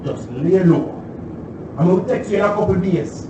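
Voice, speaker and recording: A man playing a rough streetwise Jamaican youth. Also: high voice, very animated, moderate pace, dull audio. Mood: urging. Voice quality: blunt, pleading patois delivery. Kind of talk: stage play excerpt. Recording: distant echoey stage recording with faint noise.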